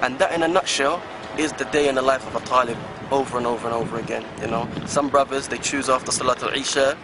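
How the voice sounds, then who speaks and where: A man's voice: mid-range voice, fairly even intonation, fast. A young man, a student, casually explaining a daily routine to viewers in an advisory tone with frequent "you know," outdoors. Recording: outdoor traffic noise.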